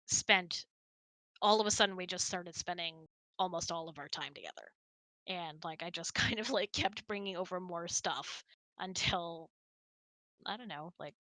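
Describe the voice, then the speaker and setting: Bright-voiced, chatty woman in casual conversation. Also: fairly low pitch, no echo. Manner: giggly, chatty, animated storytelling. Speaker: host of a couple's online hangout. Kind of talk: casual chat, answering questions and telling anecdotes.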